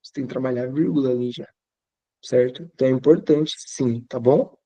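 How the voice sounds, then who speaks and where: Gravelly-voiced male teacher giving tips. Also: mid-range voice, a little fast, warm tone, dry recording. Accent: Brazilian Portuguese. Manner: conversational, repeats phrases for emphasis.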